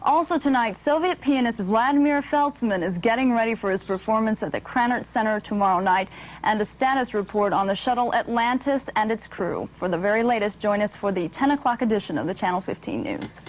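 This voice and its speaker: A woman with an American accent reading a scripted local newscast in a measured, formal anchor's delivery. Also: a little high. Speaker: TV news anchor. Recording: old TV broadcast with background noise.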